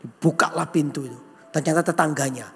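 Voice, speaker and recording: Animated high-voiced man preaching in a hall. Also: brisk, breathy edge, soft background music. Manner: animated storytelling, voices characters, asks congregation. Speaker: pastor. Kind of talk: sermon with acted-out story. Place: large church hall. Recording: long hall reverb.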